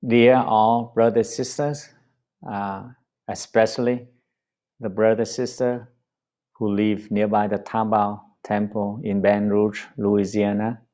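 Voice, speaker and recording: A man with a Vietnamese accent giving a Buddhist dharma talk, speaking gently with many pauses and fillers. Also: on the low side, level tone. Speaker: Buddhist teacher.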